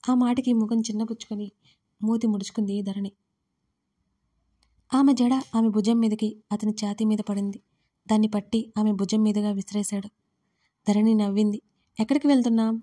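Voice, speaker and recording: Mellow-voiced woman narrating a story. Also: medium pitch, level tone, moderate pace, long pauses, husky. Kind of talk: scripted audio-story narration.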